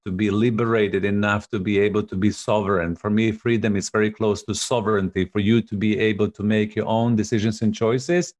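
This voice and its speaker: A middle-aged man speaks in a somewhat low voice. He is earnest and emphatic, often repeating words to stress a point, as he hosts a reflective coaching conversation over a video call. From Serbia. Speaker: host, coach.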